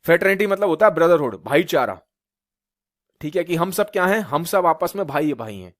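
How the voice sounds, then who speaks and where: A man's voice: fairly high pitch, very animated, a little fast, dry recording, studio quality. A male teacher from Uttar Pradesh lecturing students, mixing English terms into his talk and often asking rhetorical questions and checking that they follow. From Uttar Pradesh, India. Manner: repetitive rhetorical questions, frequent "theek hai" checks. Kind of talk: classroom lecture in Hindi mixed with English.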